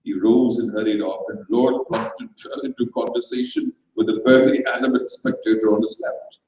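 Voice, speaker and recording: A man's voice: on the low side, fairly even intonation, moderate pace, warm tone. Theatrical male storyteller in a very echoey room. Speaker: story reader. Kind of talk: dramatised comic short story reading for an audience. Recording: very echoey room, distant microphone.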